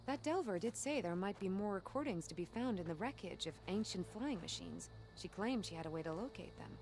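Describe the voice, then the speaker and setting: A woman's voice: medium pitch, expressive, brisk, darkish tone, a little hiss or hum, lightly acted. An actress playing an earnest, reverent tribal warrior woman in a video game, with a formal, grave manner. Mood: earnest reverence.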